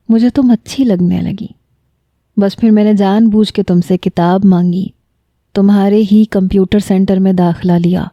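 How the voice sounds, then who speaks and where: A woman reading the lines of an earnest, emotional young man confessing his love, in a soft, heartfelt storytelling delivery. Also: mid-range voice, no room sound, lightly acted. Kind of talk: scripted narration.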